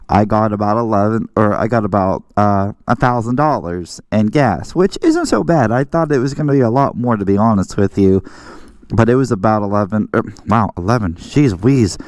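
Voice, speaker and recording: A man's voice: on the low side, a little mellow, clear, resonant tone, no echo, studio quality. An American man talking casually as a motorcycle vlogger, explaining things in an informal, rambling way and often correcting himself. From southwestern Pennsylvania, US. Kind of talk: casual explanatory vlog talk.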